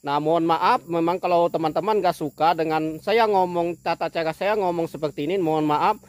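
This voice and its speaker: Guy with a bit of a speech impediment, kinda high voice, chatting from his palm farm, says sorry a lot. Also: fairly even intonation, no echo. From Kalimantan, Indonesia. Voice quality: speech impediment, cannot pronounce one sound. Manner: apologetic, repetitive, fills pauses with "nah". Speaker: oil palm farmer and vlogger. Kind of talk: casual talk to camera. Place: outdoors in an oil palm plantation.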